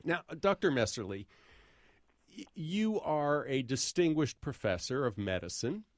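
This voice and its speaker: A man's voice: medium pitch, very animated, measured pace, dry recording. A man hosting a radio interview, asking long articulate questions. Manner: articulate, leading questions with fillers like you know. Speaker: radio show host.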